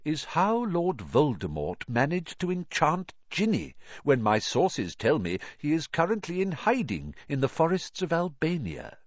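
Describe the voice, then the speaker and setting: Guy doing a soft-spoken wise old headmaster, kinda muffled audio. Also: fairly high pitch, wildly swooping pitch, a little slow, few pauses, no room sound, voice pushed up, exaggerated voice. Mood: gentle. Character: gentle, wise elderly headmaster.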